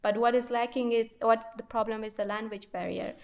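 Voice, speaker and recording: A woman's voice: fairly high pitch, steady tone, brisk, creaky, darkish tone. Earnest young woman from Afghanistan. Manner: earnest, emphatic, with frequent restarts. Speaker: conference panelist. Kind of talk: unscripted conference talk. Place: chapel conference hall.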